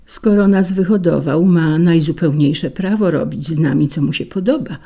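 A devoted bindweed vine from a storybook fable, as a woman reads him, soft and earnest in his loyalty. The voice is low, husky and dark. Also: moderate pace, exaggerated voice. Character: dutiful male bindweed vine, devoted to gardener.

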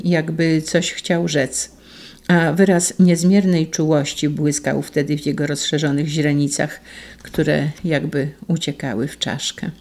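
Gravelly, hushed storybook narrator. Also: medium pitch. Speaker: audiobook narrator. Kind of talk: scripted literary narration.

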